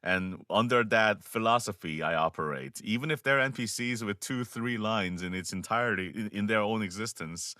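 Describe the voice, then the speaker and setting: A man with a Korean accent, a voice actor giving measured, thoughtful interview answers with frequent pauses and restarts. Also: fairly low pitch, sharp tone, no echo, studio quality. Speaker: voice actor guest.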